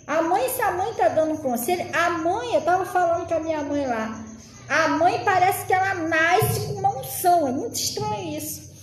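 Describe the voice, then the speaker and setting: A woman's voice: very high-pitched, expressive, moderate pace, roomy sound, a little hiss or hum, poor audio. A woman in her late thirties giving an informal, chatty sermon, often turning to address her listeners directly. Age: 30s. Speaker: preacher.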